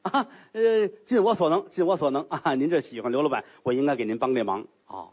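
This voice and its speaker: A man's voice: sits high, big pitch swings, unhurried, breathy edge, highs cut off, exaggerated voice. A man voicing a nervous male opera actor who stammers and pleads, in a storytelling act. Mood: eager, polite.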